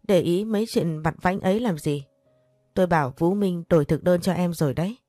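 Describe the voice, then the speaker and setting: Self-assured young husband, reassuring and dismissive of gossip, read by a woman, mellow low tone, storybook. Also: fairly quick, no echo, soft background music, close to an everyday voice. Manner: reassuring, offhand.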